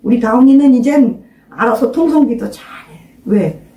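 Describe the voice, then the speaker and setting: A woman's voice: a little high, lively intonation, normal speed, dark tone, lo-fi sound. An older woman pastor preaching an informal sermon, emphatically questioning her listeners and urging them to pray aloud. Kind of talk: informal sermon to a small congregation. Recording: roomy echo, mic at a distance.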